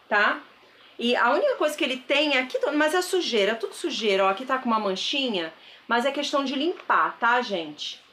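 A woman's voice: a little high, a bit bright, slight background noise. A woman in her thirties with a Brazilian Portuguese accent, chatting enthusiastically to viewers in a casual haul vlog, recorded on a close camera mic in a bedroom. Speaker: thrift vlogger. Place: bedroom with wardrobe, indoors.

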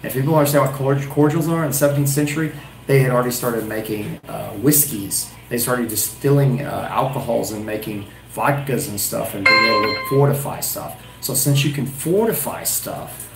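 A man in his forties talks loosely on a live stream and thinks out loud as he goes. His sentences often stop and start again. The room sounds roomy, with a faint hum behind him. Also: medium pitch, normal speed, vocal fry. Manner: rambling, thinking aloud with many restarts. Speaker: beer reviewer and channel host. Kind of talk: casual live-stream chat. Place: small wood-paneled room indoors.

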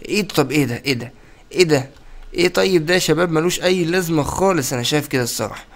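A young man with an Egyptian Arabic accent giving excitable, chatty let's-play commentary and talking straight to his viewers. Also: a little high, rapid-fire. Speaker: gaming YouTuber.

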